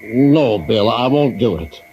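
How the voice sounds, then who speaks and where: A stubborn old salvage engineer, weighed down by grief. He speaks haltingly, and his pitch rises and falls widely. Faint hiss from an old radio broadcast sits under the voice. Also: lively intonation, muffled recording. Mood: stubborn, grieving. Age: older. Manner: halting, hesitant, heavy-hearted. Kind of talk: 1950s radio drama acting.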